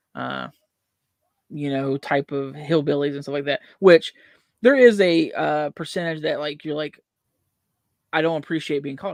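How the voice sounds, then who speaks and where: With a Southern US accent, the speaker goes at a moderate pace with long, frequent pauses, fairly even intonation and big swings in loudness, in a dry, close sound with no echo. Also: man. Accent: Southern country. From West Virginia. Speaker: movie discussion podcaster. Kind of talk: casual chat.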